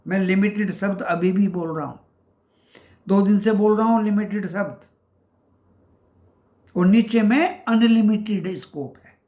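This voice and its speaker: A man hosting a stock market channel, giving casual market commentary. He calls his viewers friends and walks through price levels with many pauses. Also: sits high, warm tone, roomy sound.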